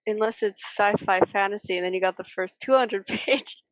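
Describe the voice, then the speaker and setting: A woman's voice: medium pitch, normal speed, no room sound, poor audio. A woman co-hosting a podcast, chatting informally and chiming in with asides. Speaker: podcast co-host. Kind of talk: casual chat.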